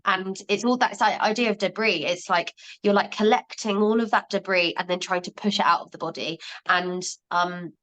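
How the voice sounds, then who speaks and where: A woman's voice: mid-range voice, fairly even intonation, moderate pace, hardly any pauses, fairly bright tone, rough recording. A woman podcast host chatting casually about her own experiences with massage. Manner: chatty, personal anecdotes.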